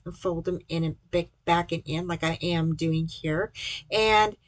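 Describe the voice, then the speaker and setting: A woman's voice: lowish voice, fairly even intonation, measured pace, no echo. Woman narrating a craft tutorial, dry sound. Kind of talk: casual step-by-step tutorial narration.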